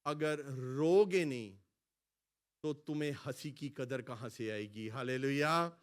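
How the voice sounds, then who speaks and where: A male pastor preaching a sermon in a church hall, calling out lines for the congregation to repeat and swinging between loud exclamations and quiet asides. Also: medium pitch, smooth. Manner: preaching, has the congregation repeat phrases after him. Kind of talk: sermon with call-and-response.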